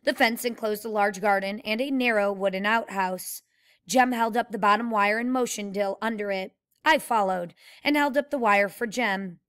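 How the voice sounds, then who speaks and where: A woman reading a novel aloud in a steady, plain way and pausing to explain the story like a teacher. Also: mid-range voice, smooth.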